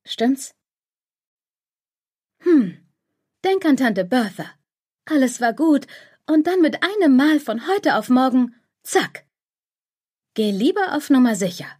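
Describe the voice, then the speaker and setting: A high-pitched, girlish inner voice, as a woman reader puts it on, pushy and fearmongering, pressing its worries in an audiobook. It wheedles and insists, a little breathy and husky at the edges. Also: very animated, slow pace, long pauses, a little mellow, full character voice. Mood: insinuating. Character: nagging anxious inner voice, girlish, clingy.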